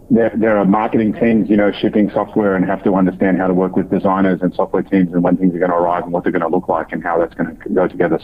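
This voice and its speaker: A man's voice: low voice, breathy edge. A man speaking as a company executive, answering analyst questions off the cuff on an earnings call in corporate language. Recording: tinny band-limited phone conference line.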